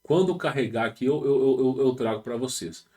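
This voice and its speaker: A man's voice: medium pitch, fairly quick, warm tone. A man with a Brazilian Portuguese accent hosting his channel, reading a text aloud and breaking off into rambling, slangy asides with many restarts. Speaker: channel host. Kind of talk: casual talk reading and commenting on a text. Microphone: home setup with rural internet.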